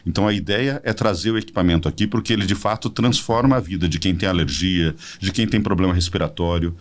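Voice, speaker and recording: A man in his forties from São Paulo, a podcast guest telling a personal story as a smooth sales pitch. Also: fast talker. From São Paulo state, Brazil. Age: 40s. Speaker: podcast guest, product representative. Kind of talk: casual promotional chat.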